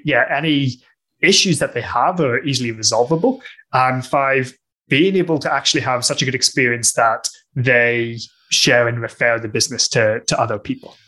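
A Northern Irish man speaks as a podcast guest with a bright, forward voice. He explains at an easy conversational pace, stopping often with fillers and restarts as he works through his thoughts. His delivery is relaxed and unscripted. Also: medium pitch, low-quality recording. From Northern Ireland. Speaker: guest discussing customer success. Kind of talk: conversational interview answers.

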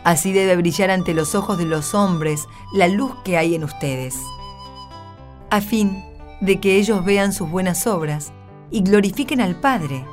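A woman's voice: lowish voice, measured pace. A woman presenting and reading scripture in a solemn, scripted style for radio. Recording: music behind voice.

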